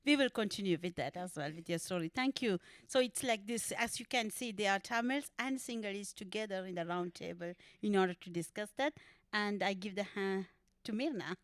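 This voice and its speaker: A woman's voice: mid-range voice, a little fast, no room sound. A woman moderating a round-table discussion in a friendly, informal way.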